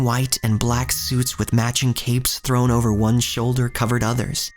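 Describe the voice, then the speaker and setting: A man's voice: mid-range voice, lightly acted. A man playing a wary young street thief who tells his own story as scripted audio drama narration. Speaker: narrator and lead actor. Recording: music bed under the voice.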